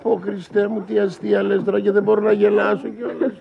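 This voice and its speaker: A man's voice: a little high, expressive, a crowd in the background. An actor playing a battered, whiny husband who sulks in pain and pleads with his wife, in a TV sitcom. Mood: pleading. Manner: plaintive and pleading, with sudden yelps of pain. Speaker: actor in a TV comedy series. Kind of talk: sitcom acting. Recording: dull broadcast audio with background noise.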